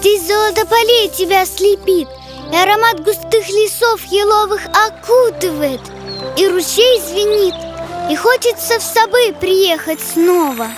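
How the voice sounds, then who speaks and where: A woman playing a lyrical reciter of children's verse in a cartoon, with a measured, declamatory delivery. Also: extremely high pitch, music in the background. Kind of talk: poetry recitation.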